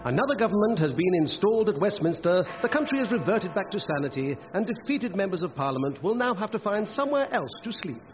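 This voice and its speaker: A man's voice: high-pitched, big pitch swings, quick pace, few pauses. A man announcing and narrating a scripted comedy in a 1950s radio style. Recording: dull radio recording. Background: music.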